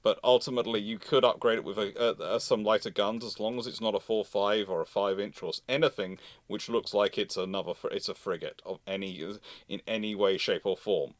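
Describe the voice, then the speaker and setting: A British man hosting a live question-and-answer talk, explaining things with halting restarts and emphatic repetition. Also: fairly low pitch, fairly even intonation, no room sound. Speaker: host answering audience questions. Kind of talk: live Q&A, explanatory commentary on naval matters.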